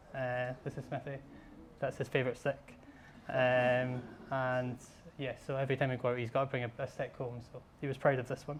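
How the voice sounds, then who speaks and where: Talking at a fairly quick pace with a Scottish accent, a man keeps a flat, monotone intonation and leaves long, frequent pauses. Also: medium pitch for a man. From Scotland. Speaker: software developer, conference presenter. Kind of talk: conference talk. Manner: casual, with fillers.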